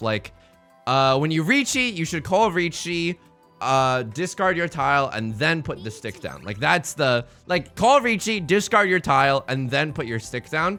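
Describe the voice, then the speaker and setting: Over music in the background, a man with a fairly high voice speaks loud and fairly slowly, his pitch swinging very widely. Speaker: mahjong player talking about etiquette. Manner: casual, rambling, many filler words.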